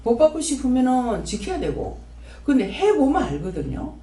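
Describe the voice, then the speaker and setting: Gyeongsang woman pastor, lively sing-song delivery, folksy, acts out dialogues, mic off at a distance in a reverberant hall. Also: sits high, moderate pace. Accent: Gyeongsang Korean. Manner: animated, folksy, acts out her prayers and God's answers. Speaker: preacher at a prayer house. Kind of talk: sermon. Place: prayer house hall.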